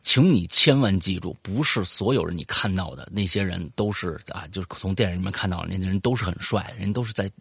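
A man's voice: low voice, husky, no room sound, studio quality. A man, casually telling a listener's story and chatting about it, swearing and rambling with lots of fillers. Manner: animated, swears, jumps into voices for quoted lines; rambling with frequent fillers and repeats. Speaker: host reading out a listener's story. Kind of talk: casual storytelling with banter and commentary.

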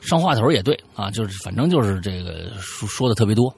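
A man's voice: fairly low pitch, big pitch swings, fast talker, creaky, a little mellow. A man hosting a storytelling podcast, narrating a listener's tale in a chatty way with frequent stammered repeats.

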